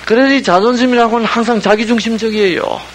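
Speaking fast in a very high voice, this preacher fires questions at his congregation and answers each one himself, keeping the sermon animated throughout. A bit of hiss or hum runs under the rough recording.

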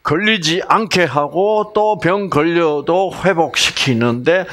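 A man's voice: a little high, slow pace, fairly bright tone. A man preaching a sermon-style health lecture, quizzing the congregation and joking with dialect words. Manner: quizzes the audience with questions and plays with dialect words.

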